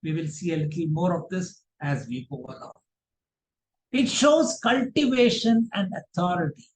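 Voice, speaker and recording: A man teaching a public speaking workshop, speaking deliberately in short, emphatic phrases. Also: sits high. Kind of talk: instructional workshop presentation. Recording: roomy, echoing sound.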